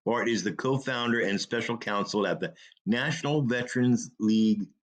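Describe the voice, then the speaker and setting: A man's voice: mid-range voice, moderate pace. A man hosting a talk show, giving opinionated commentary in an emphatic way with rhetorical questions and short, punchy repeats.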